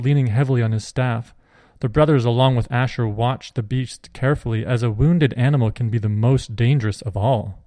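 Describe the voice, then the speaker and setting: A man's voice: mid-range voice, dark tone, no room sound. Man narrating a story in a dry sound. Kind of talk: reading a Christian children's story aloud.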